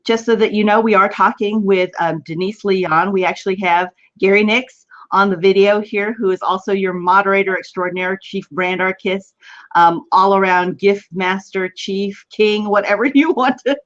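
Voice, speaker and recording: A woman's voice: medium pitch, fairly even intonation, normal speed. West Texas drawling woman hosting, dull lo-fi audio. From West Texas, United States. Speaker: host of an online video chat. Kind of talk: casual live-stream hosting. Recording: dull lo-fi web video call.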